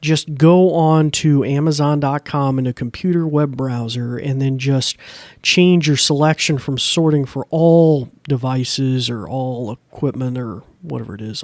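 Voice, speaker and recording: A man hosts a podcast and gives a casual, chatty, informal tutorial. His mid-range voice has a darkish tone, recorded with no echo on a close podcast mic running through a mixer.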